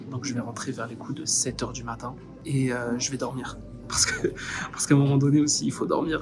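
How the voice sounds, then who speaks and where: This man is soft-spoken, with a medium pitch. Music plays behind him, and the room echo is audible. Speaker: vlogger, online entrepreneur. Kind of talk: video diary vlog. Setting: inside a mosque at night. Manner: soft-spoken, quiet.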